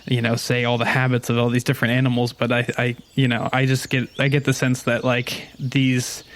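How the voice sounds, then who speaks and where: Man, tabletop game player, casual narration, rambling explanations, little pitch movement. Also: completely flat delivery, a little fast.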